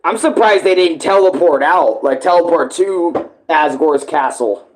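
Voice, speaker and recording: A man's voice: on the high side, unhurried, poor audio. A man giving casual live reaction commentary, full of slang and swearing. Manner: slangy, profanity-laden. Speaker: reaction video host.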